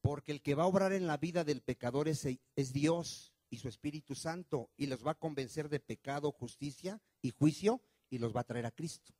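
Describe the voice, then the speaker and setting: Questioning pastor with a high voice. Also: male voice, no room sound. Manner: asks the congregation rapid questions, swings loud and soft. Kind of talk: sermon. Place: church.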